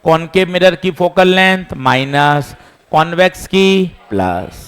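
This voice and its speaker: Male physics teacher, slightly high voice, slow, patient drilling, repeats steps. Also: lively intonation, a bit bright, clear, resonant tone. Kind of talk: classroom lesson.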